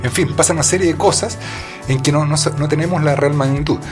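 Hesitant Chilean man, halting speech. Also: a little high, fairly even intonation, over music. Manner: hesitant, many fillers and restarts. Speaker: guest. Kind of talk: casual conversation.

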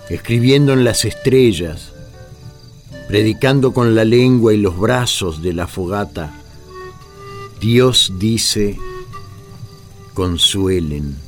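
A fervent prophet of the desert for a radio play. The voice is low and very varied in melody, delivered slowly and solemnly. Music plays underneath. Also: male voice. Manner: solemn, declamatory oratory. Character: fervent male desert prophet consoling his weary people. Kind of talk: Spanish-language radio drama acting.

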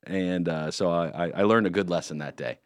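A man hosting a morning radio show, chatting in a jokey, rambling, animated way in a studio. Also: deep voice, brisk, dry recording. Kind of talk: casual morning radio banter. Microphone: studio microphone.

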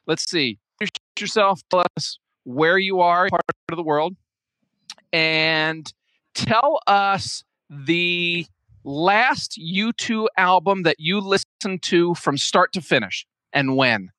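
Male podcast host on a video call, bright and dry, joking and chatty, trips over his own sentences. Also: sits high, animated, slow, dry recording, rough recording. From United States. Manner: chatty, joking, self-correcting. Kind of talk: live-streamed fan podcast chat. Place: home, video chat.

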